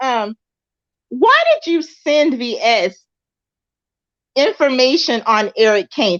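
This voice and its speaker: Speaking at a fairly slow pace with a strong Memphis accent, a woman uses a high pitch, captured in a dry, close sound with no echo. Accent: Southern Memphis accent, strong. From Memphis, Tennessee. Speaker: interviewer. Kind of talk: interview.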